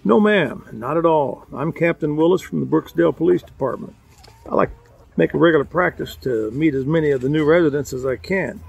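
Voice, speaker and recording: A neighborly police captain played by a man in a radio play, chatty and courteous. His voice is husky and full of gravel, pitched a little high. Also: fairly quick, a little mellow, dull audio. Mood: friendly. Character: friendly, neighborly small-town male police captain. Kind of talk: radio drama acting.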